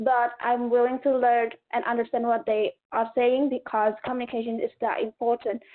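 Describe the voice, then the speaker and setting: A woman with a non-native accent speaks at a moderate pace with hardly any pauses, her high pitch held in a flat, monotone intonation. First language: not English. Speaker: candidate for student association office. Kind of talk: interview Q&A. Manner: halting.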